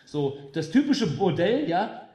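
A man's voice: high-pitched, big pitch swings, a little slow, mellow. Emphatic man speaking from a live stage. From West Germany. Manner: emphatic, with sarcastic jabs and rhetorical questions. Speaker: singer-songwriter speaking between songs. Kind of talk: rousing political stage speech. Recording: roomy live room with faint music.

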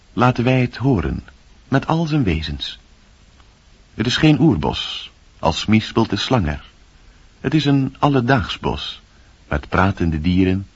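A man giving a scripted, literary introduction to a radio play as announcer, with a husky voice. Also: on the low side, dry recording. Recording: dull, dry old radio recording.

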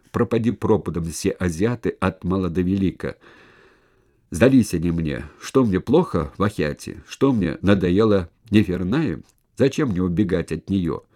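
A man's voice: expressive, normal speed, warm tone. A man voicing a drunk young male army recruit who cries and shrieks that he will not go to war, in an audiobook. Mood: bitter. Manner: stammers; slurred, weepy and shrill.

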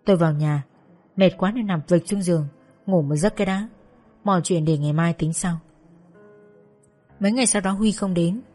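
A young woman narrates her own story in a steady, confessional way. Her voice sits a little low and sounds mellow and warm, with faint music playing behind it. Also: moderate pace, long pauses. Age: young adult. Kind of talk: first-person story narration.

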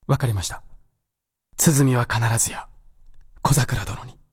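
An actor in a Japanese radio drama playing an earnest white fox spirit in human form, speaking with urgency. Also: male voice, medium pitch, measured pace, husky, no echo, clean studio sound. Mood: grave, earnest.

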